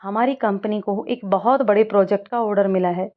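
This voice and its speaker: A woman's voice: mid-range voice, fairly even intonation, moderate pace, close to an everyday voice. Strict but fair young guy boss, woman reading him, earnest, muffled lo-fi sound. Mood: eager. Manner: earnest, apologetic. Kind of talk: storybook voice acting. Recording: dull lo-fi recording.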